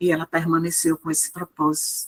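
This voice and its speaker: A normal speaking voice from a woman, fairly low in pitch, with fairly even intonation at a fairly slow pace. The sound is dry and close, with no echo. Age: 60s. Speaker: spiritist sharing personal grief experience. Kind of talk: testimony.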